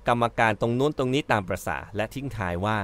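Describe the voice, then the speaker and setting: A man's voice: mid-range voice, fast, fairly bright tone. A male host giving casual commentary on an article he reads out, chatty, with frequent fillers and self-corrections.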